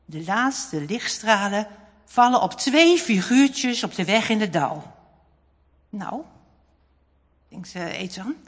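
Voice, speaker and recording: A woman narrating a children's storybook in an expressive, dramatic reading. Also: mid-range voice, husky. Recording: long hall reverb.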